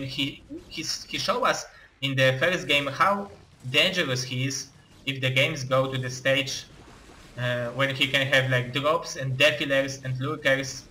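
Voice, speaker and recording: A young man with an Eastern European accent, giving live play-by-play game commentary in halting, excitable non-native English. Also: medium pitch, a little hiss or hum, low-quality recording. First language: not English.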